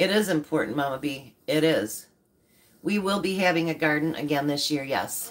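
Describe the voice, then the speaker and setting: A woman speaks at a moderate pace with a very deep, low pitch. Her pitch varies in an ordinary way. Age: 50s. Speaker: homestead cooking channel host. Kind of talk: casual live-stream cooking chat. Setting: home kitchen live stream. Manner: animated. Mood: relaxed, chatty. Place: kitchen. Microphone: phone near.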